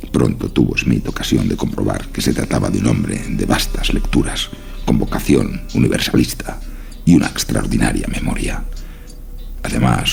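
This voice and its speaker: A man narrating a scripted horror story in a measured, literary way. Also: very deep voice, creaky, darkish tone.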